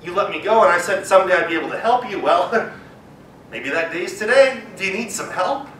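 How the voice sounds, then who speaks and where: A man doing a squeaky eager little mouse. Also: lively intonation, fairly quick, a bit bright, echoey room, distant mic, slight background noise, low-quality recording. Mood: cheerful. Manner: squeaky, eager, breathless pleading. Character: tiny excited young female mouse, bold.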